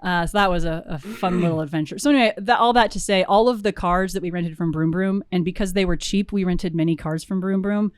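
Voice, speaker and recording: A woman's voice: lowish voice, brisk, hardly any pauses, smooth, dry recording, studio quality. Chatty woman telling a producer's tale. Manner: animated, laughing, many fillers and restarts. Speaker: film producer guest. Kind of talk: casual storytelling interview.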